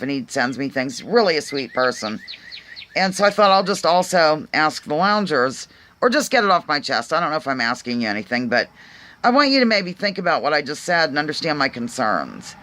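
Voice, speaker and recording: A woman's voice: sits low, very animated, brisk, fairly bright tone. A woman with a Pennsylvania accent hosting her own vlog, talking casually to viewers in a rambling, hesitant way full of ums and restarts. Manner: earnest, questioning. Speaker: vlog host. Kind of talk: casual musing monologue to viewers.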